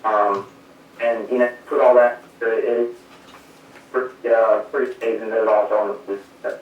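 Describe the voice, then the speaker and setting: A man's voice: on the low side, little pitch movement, normal speed. A man, a race crew chief answering interview questions modestly while calling in from home over a phone line that breaks up. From South Carolina, USA. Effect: calling in remotely over a phone line that breaks up and fades. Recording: dull, distant, echoey call-in line.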